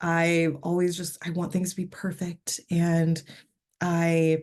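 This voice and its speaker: Over a quiet background, a woman speaks at a very slow pace and a fairly low pitch. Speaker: spiritual podcast host. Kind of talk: casual solo podcast monologue.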